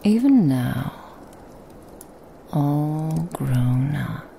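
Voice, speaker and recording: A woman voicing a seductive, possessive female Krampus demon in a whispered ASMR roleplay, teasing and mocking in an intimate hush. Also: deep voice, animated, very slow, gravelly, a little hiss or hum, heavily acted. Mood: menacing.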